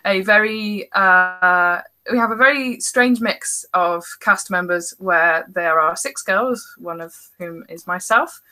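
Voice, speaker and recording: A woman's voice: on the low side, slow pace, hardly any pauses, bright, forceful tone, poor audio. A woman guest in a casual podcast conversation, talking as a writer in a hesitant, self-reflective manner.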